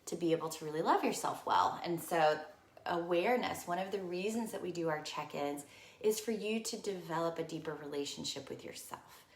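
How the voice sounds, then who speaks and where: A woman co-hosting a live show, talking in a soft, reflective and encouraging way. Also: fairly low pitch, expressive, brisk. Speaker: co-host. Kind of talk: casual chat. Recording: echoey room.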